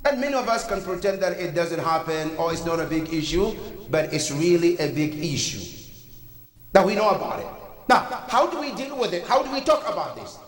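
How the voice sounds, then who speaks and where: A man's voice: high-pitched, animated, fairly quick. A man from Africa giving a Friday sermon as imam, earnest and full of rhetorical questions, in a mosque prayer hall. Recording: echoey hall, voice from far off.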